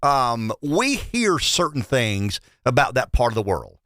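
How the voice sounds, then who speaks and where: A man's voice: medium pitch, sing-song, measured pace, a bit bright, no room sound, clean studio sound. A man with a Southern US accent hosting a conversational interview in a folksy way, often repeating words as he builds a question. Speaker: show host, interviewer.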